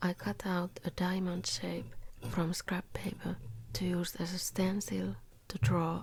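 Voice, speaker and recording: This woman is soft-spoken. She talks at a fairly slow pace. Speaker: ASMR artist. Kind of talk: ASMR voice-over narration of drawing process.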